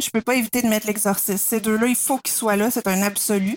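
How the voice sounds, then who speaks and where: In a dry, close sound with no echo, a woman with a fairly high voice talks very fast. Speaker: novelist. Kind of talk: casual chat.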